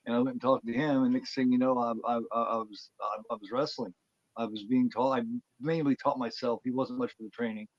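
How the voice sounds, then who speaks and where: A man from Indiana, a former wrestler, telling animated, rambling stories as an interview guest and often repeating words. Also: medium pitch, a little fast, no room sound, lo-fi sound. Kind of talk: casual storytelling.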